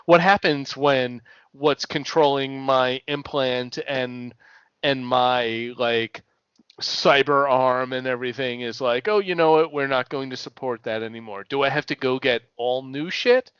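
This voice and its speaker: A man on a podcast, talking casually with a smooth, resonant voice. He teases his co-hosts and swears freely. The recording is dry and a bit muffled. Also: mid-range voice, measured pace, no echo. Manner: profane, teasing, animated. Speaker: podcast co-host. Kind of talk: casual banter.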